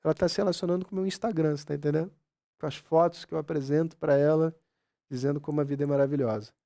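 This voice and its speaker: A man's voice: a little high, steady tone, rapid-fire, vocal fry, mellow. A man giving a conversational spiritual talk to an audience, often asking if they understand. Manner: conversational, keeps asking "sabe?" and "você entende?"; acts out quoted dialogue with his mother. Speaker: spiritual speaker.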